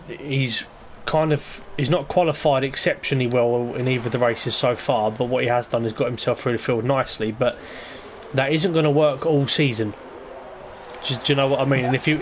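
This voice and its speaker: A man's voice: mid-range voice, slight background noise. Rambling male sim-racing commentator. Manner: rambling and hesitant, lots of ums. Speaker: lead commentator of an online racing league. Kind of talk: casual race-preview commentary.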